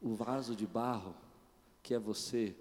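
A man preaching a sermon as pastor, moving from quiet storytelling to loud, shouted preaching. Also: lowish voice, a little slow, in a large hall, a little hiss or hum. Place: church.

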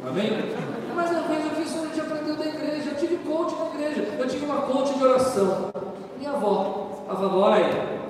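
A man preaching a sermon, telling funny personal stories with animated swings between loud excitement and quiet earnestness. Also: very high voice, a little fast, background noise. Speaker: pastor. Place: church hall with congregation. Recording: echoey church hall, mic from a distance. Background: congregation laughing.

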